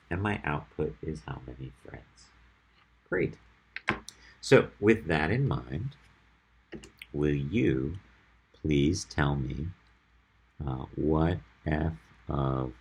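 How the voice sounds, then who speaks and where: A man's voice: rumbling low, slightly rough. A man teaching a math class, whose first language was Albanian. He explains each step patiently and keeps checking in with his students. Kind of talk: classroom lecture on functions.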